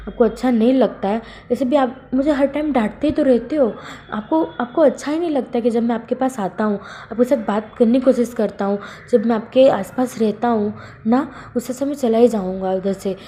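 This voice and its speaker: A woman's voice: a little high, moderate pace, warm tone, a little hiss or hum, lightly acted. A woman voicing a hurt young man who stammers and pleads through tears. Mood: tearful.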